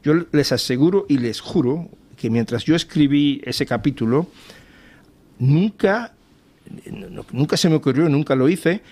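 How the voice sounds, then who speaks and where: A man's voice: a little high, animated, unhurried, a little mellow. Cuban-born man searching for words. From Cuba. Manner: searches for words, laughs easily. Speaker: think-tank guest. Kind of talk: casual radio panel talk.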